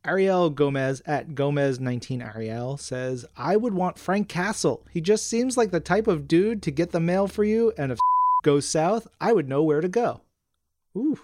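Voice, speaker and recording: A man's voice: on the high side, animated, normal speed, no echo. A man co-hosting a casual comics fan podcast, chatting enthusiastically and reading out listener messages. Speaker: podcast co-host.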